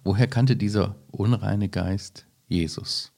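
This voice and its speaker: A man with a fairly low voice talks through a Bible passage with his partner. He sounds thoughtful and unhurried, wondering aloud and quoting verses as he goes. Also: steady tone, creaky, a little mellow. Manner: thoughtful, reflective, quotes scripture. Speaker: Bible study co-host. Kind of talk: casual Bible discussion.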